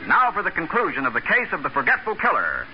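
A man's voice: on the high side, wildly swooping pitch, quick pace, very noisy. A man announcing in scripted, dramatic 1940s radio style. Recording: muffled 1940s radio recording. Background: music.

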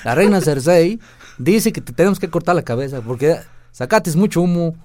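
A rustic country fellow from Michoacán, as a man puts him on, loud and blustering. He speaks higher than the actor's own voice, drawling his threats in a dry, close sound. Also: expressive, a little fast, no room sound, lightly acted. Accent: Michoacán rural Mexican.

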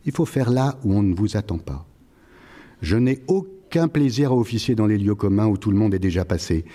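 Guy w a mellow darkish voice reading his funny little text out loud, measured and dry. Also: lowish voice, expressive. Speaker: author reading and answering. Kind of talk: reading a prose piece aloud.

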